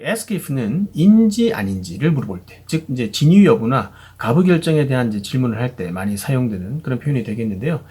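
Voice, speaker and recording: A man's voice: mid-range voice, very animated, brisk, few pauses, dark tone, slight background noise. A man teaching English pronunciation in a patient, chatty video lesson, often checking in with the viewer. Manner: patient, chatty, frequent fillers and "그죠?" check-ins.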